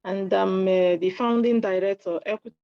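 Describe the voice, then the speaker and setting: A woman from Nigeria gives an earnest, measured introduction on a video call, with an occasional hesitation. The sound is dry and lo-fi with no room echo. Her voice is mid-pitched. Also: steady tone, creaky. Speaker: lecturer and NGO director. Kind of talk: formal self-introduction on a call.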